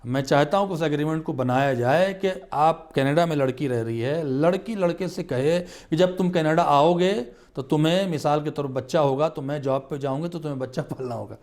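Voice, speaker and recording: Guesting on a studio talk show, a religious scholar with a slightly higher-than-usual male voice and a darkish tone makes his case. He speaks earnestly and with emphasis, rarely pausing.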